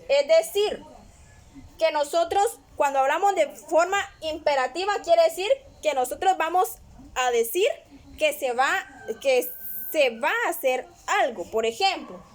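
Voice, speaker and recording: A woman teacher patiently explaining a grammar lesson, often checking in with the listener. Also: high voice. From Guatemala. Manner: patient, repeats "¿verdad?" often.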